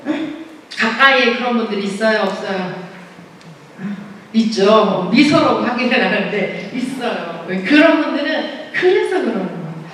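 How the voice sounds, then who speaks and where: In a large church sanctuary, a woman speaks as a guest pastoral counselor at a lecture, her voice fairly high, expressive, a bit bright, and at normal speed. She's chatty, acts out quoted voices and puts questions to the audience. The recording is echoey, she sounds distant across the hall, and there's a little hiss or hum.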